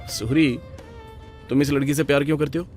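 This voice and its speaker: A man's voice: a little high, fairly even intonation, a little fast, faint music behind, natural voice. A man in a dubbed film playing a cynical grown man, blunt and mocking. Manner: blunt, sarcastic. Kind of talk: Hindi film dub.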